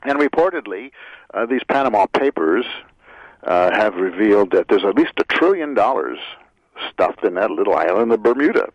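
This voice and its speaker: A man's voice: on the low side, animated, no echo. Guy rambling on the radio, lots of uhs, dull dry sound. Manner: halting, many filler "uh"s, rambling; heated and cynical about politicians. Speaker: author and radio commentator. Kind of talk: unscripted radio commentary. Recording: dry muffled radio audio.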